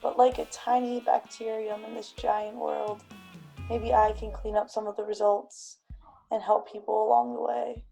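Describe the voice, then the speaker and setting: A woman playing a world-weary but earnest male city detective in a radio drama, with deliberate delivery. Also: a little high, little pitch movement, vocal fry, dark tone, soft background music, rough recording. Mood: weary, reflective. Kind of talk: radio drama acting with reflective monologue.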